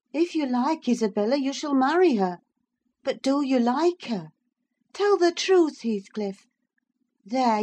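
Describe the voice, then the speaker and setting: A woman reading aloud, voicing a proud, fiery young lady of the house with a sharp, scolding manner. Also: high voice, voice pushed up.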